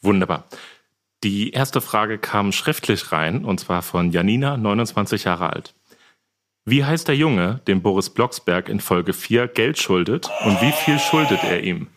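A man with a fairly low voice runs a podcast quiz. He reads out questions and makes short rulings as the quizmaster. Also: lively intonation, a little slow, fairly bright tone. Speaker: producer acting as quizmaster.

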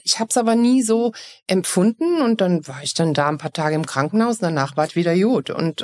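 A woman from Eupen in Belgium with an East Belgian German accent, a guest talking openly and reflectively in an interview, often restarting her sentences. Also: fairly low pitch. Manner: frank, reflective, with many restarts. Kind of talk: personal interview conversation. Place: Cologne.

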